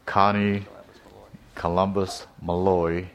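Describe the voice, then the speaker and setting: Low-voiced man chairing a public meeting. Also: little pitch movement, takes it slowly. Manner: calls on speakers, brief prompts.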